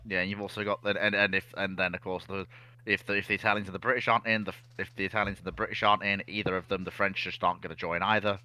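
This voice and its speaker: A man's voice: low voice, little pitch movement, rapid-fire, sharp tone. A man chatting casually as a co-host on a discussion show. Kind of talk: casual chat.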